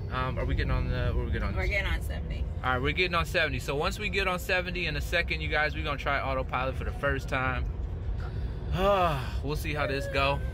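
A man talks very fast, with a dry sound with no echo and noticeable background noise. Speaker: passenger vlogger. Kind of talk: casual vlog chat. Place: car. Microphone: phone near.

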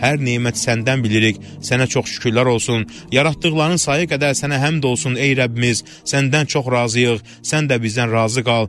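With an unremarkable speaking voice, a man holds a medium pitch, very even loudness and ordinary pitch variation. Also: moderate pace, hardly any pauses. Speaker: religious prayer leader. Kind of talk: prayer. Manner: solemn.

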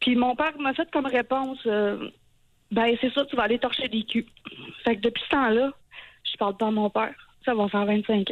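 Speaking with a Quebec accent, a woman keeps a fairly high pitch, a moderate pace and very even loudness, with long, frequent pauses. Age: 40s. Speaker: nurse. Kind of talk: call-in radio show. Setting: phone call.

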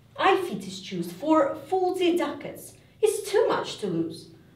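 A woman speaks at a very slow pace. Room echo is audible around her. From Russia. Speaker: actress. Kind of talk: classical theatre monologue. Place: hall. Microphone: camera far.

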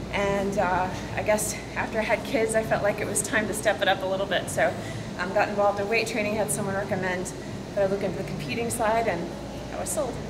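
A woman with an American accent talks at a very fast pace over loud background noise. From Texas. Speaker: bikini fitness competitor. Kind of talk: casual interview. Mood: friendly, relaxed. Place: gym. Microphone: phone near.

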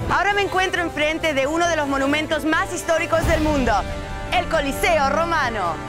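A woman talking at a very fast pace over clear background music. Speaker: TV host and actress. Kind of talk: Spanish travel show presenting outdoors. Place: street.

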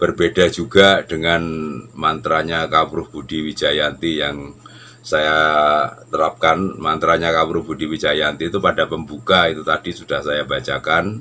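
A man with a very deep, low pitch, fairly even intonation, and a moderate pace. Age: 50s. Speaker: spiritual teacher and motivator; spiritual teacher. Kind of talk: spiritual monologue. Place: home room. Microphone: phone near.

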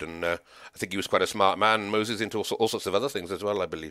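This bright, sharp voice keeps a fairly even intonation. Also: man. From not Wales. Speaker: podcast host. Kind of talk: interview.

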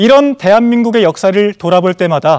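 Against a quiet background, a man speaks with a high pitch. His intonation is lively and his pace fairly slow. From South Korea. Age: 20s. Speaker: political party youth aide. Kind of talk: televised political speech. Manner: formal. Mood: earnest, critical, measured. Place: studio.

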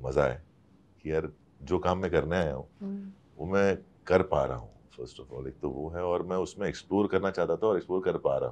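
A man with a very deep, low pitch talks at a fairly quick pace. His intonation is lively. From Gwalior, India; India. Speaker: actor. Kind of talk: interview answer. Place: studio. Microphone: lapel.

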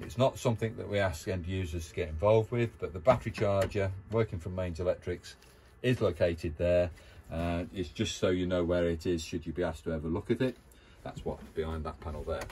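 Here a man talks at a fairly quick pace in a very deep, low voice with a dark, mellow tone that is somewhat breathy. His pitch varies in an ordinary way, and there is light background noise. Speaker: caravan dealer demonstrator. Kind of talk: tutorial. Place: home room. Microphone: phone near.

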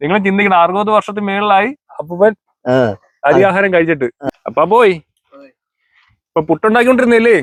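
The loudness stays very even, and the sound is dry and close with no echo. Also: man, high pitch for a man, ordinary pitch variation. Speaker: interviewer. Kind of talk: interview questions.

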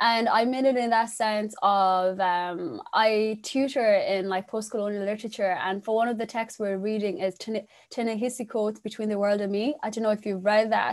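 Against a quiet background, a woman with an Irish accent talks at a fairly high pitch with fairly even intonation. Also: moderate pace. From Kenya, raised in Ireland. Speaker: PhD student and researcher. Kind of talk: casual interview chat. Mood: earnest, thoughtful. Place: home room. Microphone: video call.

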